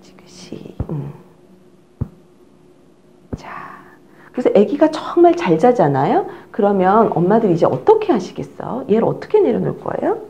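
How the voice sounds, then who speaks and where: A middle-aged woman teaching parents how to soothe a crying baby, demonstrating as she talks and sometimes dropping to a soft whisper. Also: mid-range voice, fairly quick, vocal fry, few pauses, lo-fi sound, a little hiss or hum. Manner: animated, demonstrating with an instructor's cues; drops to a soft whisper while the baby settles. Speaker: baby care instructor. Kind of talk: instructional demonstration.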